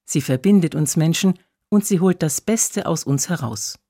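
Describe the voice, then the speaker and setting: A preacher giving a scripted radio devotional, measured in delivery, slowing down to stress key phrases and reading scripture solemnly. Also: medium pitch, dark tone, no echo, clean studio sound.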